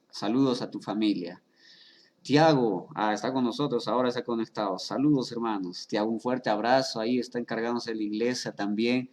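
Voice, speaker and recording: A man's voice: mid-range voice, darkish tone. A man who is a pastor, hosting a church live stream and reading viewers' comments and greetings aloud. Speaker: pastor and host.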